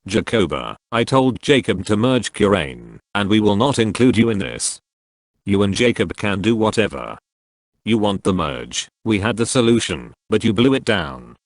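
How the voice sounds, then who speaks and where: Low-voiced man reading posts aloud. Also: sing-song, moderate pace, dry recording, studio quality. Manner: reads handles and symbols out literally.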